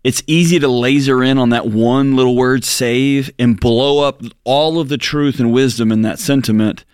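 A man in his forties co-hosts a talk show in a casual podcast discussion, earnest and reflective with emphatic outbursts and sudden pitch jumps. His voice is clear, resonant and a little mellow, with fairly even intonation at normal speed. The dry recording has clean studio sound.

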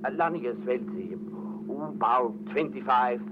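A man's voice: mid-range voice, unhurried, close to an everyday voice. An actor playing a fussy, nervous, secretive businessman with a bossy, agitated manner in a 1940s radio drama. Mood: confiding, uneasy. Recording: muffled, very noisy old radio recording.

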